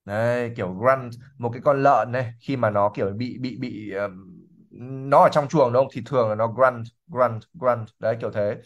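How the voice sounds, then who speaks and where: A man explaining English words during a livestream reading lesson. He repeats words slowly and thinks aloud with fillers. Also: medium pitch, muffled recording. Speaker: English teacher.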